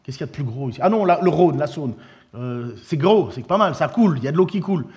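A man preaching a sermon, in a lively, conversational way with many restarts. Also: a little high, fast.

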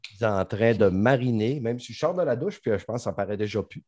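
A man's voice: lowish voice, lively intonation, quick pace, darkish tone, no echo. A middle-aged man with a Saguenay Quebec French accent, hosting a casual podcast chat, joking bluntly and swearing freely. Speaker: podcast host.

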